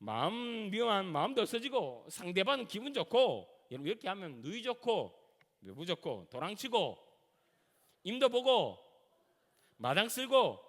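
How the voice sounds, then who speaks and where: Animated Gyeongsang-accented male pastor preaching. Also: high-pitched, normal speed. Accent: Gyeongsang Korean. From Gyeongsang region, South Korea. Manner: animated, colloquial preaching that acts out everyday scenes. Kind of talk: sermon. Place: church sanctuary. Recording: reverberant church sanctuary.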